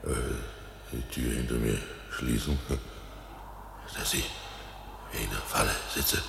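An actor playing a guilt-ridden, anxious village innkeeper in a crime radio play, halting and stammering. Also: male voice, a bass voice, gravelly, background noise, exaggerated voice. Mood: anxious, faltering.

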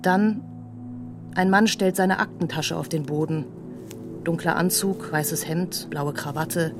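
A woman's voice: lowish voice, steady tone, slow. A woman playing the grieving, bitter child of Holocaust survivors in a literary radio play, speaking in grave fragments. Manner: fragmented short phrases, grave delivery. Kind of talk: literary radio drama monologue. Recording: music behind the voice.

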